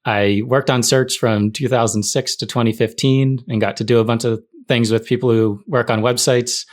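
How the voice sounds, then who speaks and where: A man's voice: mid-range voice, flat delivery, normal speed. A middle-aged man speaking as a podcast guest, recollecting work stories in a casual conversational way. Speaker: podcast guest, tech writer.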